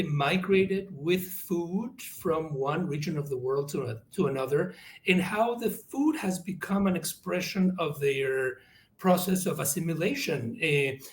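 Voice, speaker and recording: A man from Mexico with a Mexican accent, a guest author answering in deliberate, eloquent, halting phrases. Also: a little high. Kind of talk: thoughtful interview answers.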